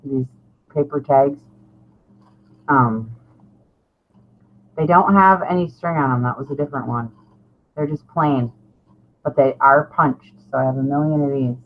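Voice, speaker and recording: A woman's voice: a bass voice, a little slow, long pauses. A middle-aged woman chatting casually and ramblingly to viewers as a craft vlogger, informal, self-deprecating and a little salty. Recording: dull lo-fi sound, clear background noise.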